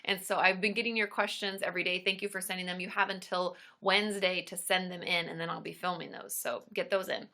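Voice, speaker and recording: A woman's voice: lowish voice, flat delivery, quick pace, hardly any pauses, bright, forceful tone. A woman hosting a casual livestream, stuffed up and tired from a cold, chatting and greeting viewers by name. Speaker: therapist and livestream host.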